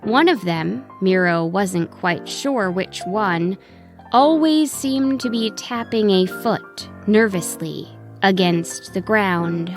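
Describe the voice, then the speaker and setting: A woman narrating a scripted children's story in an expressive, deliberate way. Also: mid-range voice, soft background music.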